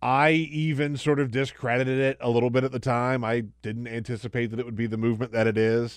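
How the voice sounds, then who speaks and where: A man with an American accent speaks fairly quickly with fairly even intonation in a normal speaking voice. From South Carolina. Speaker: guest radio host. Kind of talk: casual political talk show. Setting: studio.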